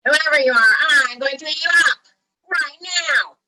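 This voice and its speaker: A woman voicing a great ugly male troll, menacing and hungry, roaring and growling out drawn-out threats in a storybook tale. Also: sits high, bright, forceful tone, no echo, voice pushed up.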